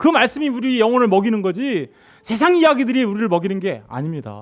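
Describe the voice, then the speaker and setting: At a very fast pace, a man speaks with a high pitch and very wide pitch swings. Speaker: pastor. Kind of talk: sermon.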